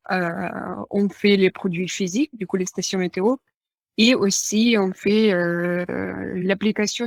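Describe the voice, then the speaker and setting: A woman's voice: mid-range voice, darkish tone, no echo. A young woman in her twenties from Ukraine with a Ukrainian accent, answering interview questions in a casual, hesitant way with many fillers. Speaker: guest.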